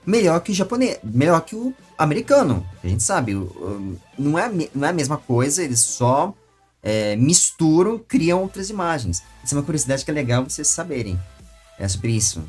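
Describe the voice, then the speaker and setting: This Brazilian interviewer has a husky, slightly high voice with a darkish tone, speaking briskly and with great animation. His long, casual comments halt and then burst with emphasis, while faint music plays in the background.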